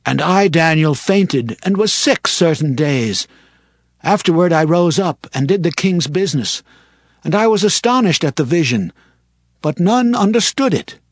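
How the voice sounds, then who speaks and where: An actor playing a devout, humbly penitent prophet in dramatized scripture, with earnest, solemn, declamatory delivery. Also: male voice, fairly high pitch, expressive, a little slow, dry recording, clean studio sound. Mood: solemn, recounting.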